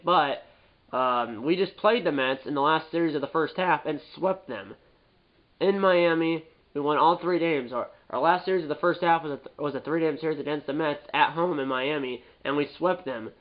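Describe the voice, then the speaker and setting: A man's voice: on the high side, lo-fi sound. A man with a stuffed-up nose from a cold, giving casual, rambling gameplay commentary and often repeating and correcting himself. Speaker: gaming YouTuber.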